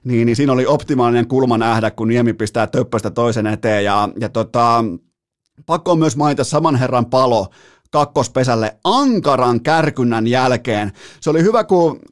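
A man in a mid-range voice hosts a casual sports podcast. He tells match anecdotes in a rambling, animated way, full of fillers and quick laughs. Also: mid-range voice.

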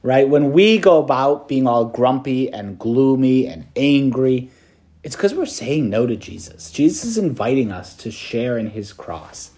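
A man's voice: mid-range voice, very animated, unhurried, warm tone. A man, a Catholic priest, preaching a meditation to students in an easygoing, conversational way, often checking in with "right?" and adding light self-deprecating humor.

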